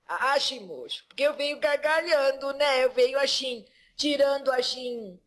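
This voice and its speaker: A woman medium voicing the male spirit Exu, who talks slowly with a folksy drawl and laughs between phrases. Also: high-pitched, a bit bright. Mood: earthy, chuckling. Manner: drawling, folksy speech, calls listener "filho". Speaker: medium channeling an entity.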